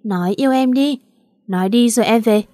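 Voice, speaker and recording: A woman's voice: fairly high pitch, a little fast, warm tone, no room sound, studio quality, close to an everyday voice. Woman voicing a coy clingy mistress. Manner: coaxing and coy.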